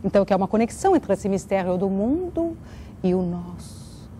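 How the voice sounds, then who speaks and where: A woman's voice: medium pitch, very animated, fairly quick, dark tone, a little hiss or hum. A woman speaking earnestly as a guest, in the manner of someone who performs. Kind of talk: earnest interview talk and poetic recitation.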